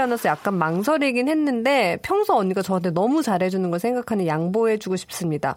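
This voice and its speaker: A woman's fairly high voice at a very fast pace, with lively intonation. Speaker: radio announcer. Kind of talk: casual radio chat and reading listener letters. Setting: radio studio.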